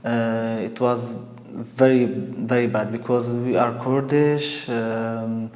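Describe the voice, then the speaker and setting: Halting young man, roomy echo. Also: mid-range voice, little pitch movement, a little mellow. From Syria. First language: Kurmanji. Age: 20s. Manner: halting non-native English with frequent pauses and restarts. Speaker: interviewee. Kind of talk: personal testimony interview. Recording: roomy with long reverb.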